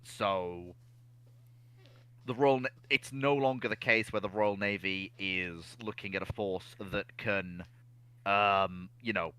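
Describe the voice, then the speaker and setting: A man giving conversational historical analysis in a measured, explanatory manner. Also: lowish voice, sharp tone, clear, resonant tone. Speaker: naval history discussion panelist.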